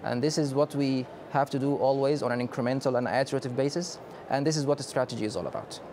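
Hesitant Sudanese director, measured speech. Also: male voice, mid-range voice, a little mellow, slight background noise. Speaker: company director, interview guest. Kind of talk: conference interview. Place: exhibition booth studio set.

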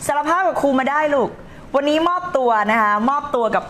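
A woman's voice: high voice, fairly quick, a bit bright, a little hiss or hum. A woman life coach hosting a live stream, talking emphatically, scolding and teasing her viewers and reading their comments aloud. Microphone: streaming setup.

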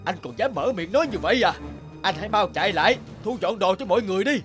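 Worked-up market character from a folk tale cartoon, done by a dub actor, swingy pitch, music behind. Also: animated, quick pace, a bit bright, lightly acted. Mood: indignant. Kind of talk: animated folk-tale dubbing.

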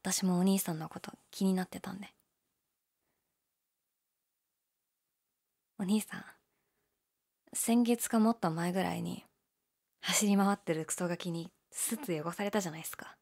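A young woman playing a laid-back, shyly candid gyaru convenience-store clerk in an audio drama, with a breathy, hesitant, mumbled delivery. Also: steady tone, fairly quick, darkish tone. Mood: shy, pleased. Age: young adult. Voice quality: low, breathy. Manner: listless, hesitant, mumbled casual polite speech. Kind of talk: male-oriented situation voice drama, casual chat.

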